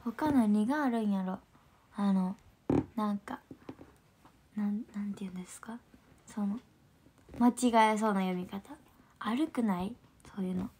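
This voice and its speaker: A woman with a Kansai accent chatting casually on a livestream, reading viewer comments, laughing often and slipping into soft whispers. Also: medium pitch, a little slow, long pauses, slight background noise. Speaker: idol group trainee hosting a livestream.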